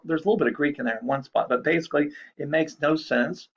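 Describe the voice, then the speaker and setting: Male lecturer, slightly high gravelly voice, casual explainer, dull lo-fi recording. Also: fast, a bit bright. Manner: chatty, explanatory, repeats key points.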